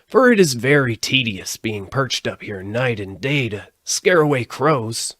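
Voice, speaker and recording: A man voicing a friendly, earnest, brainless straw scarecrow from a storybook, with a husky voice and emphatic, swooping delivery. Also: medium pitch, sing-song, unhurried, a bit bright, no echo, studio quality, voice pushed up. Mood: plaintive, earnest. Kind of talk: storybook character voice.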